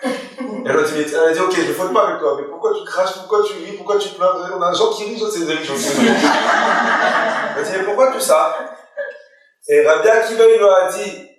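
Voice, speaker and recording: High-voiced rabbi in a very echoey hall. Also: male voice, a little fast, pauses often. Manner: retells the story with quoted dialogue and questions to listeners. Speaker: rabbi teaching a Torah class. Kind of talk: storytelling Torah lesson to an audience. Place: hall or study room with listeners. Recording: very echoey room, voice far from the mic.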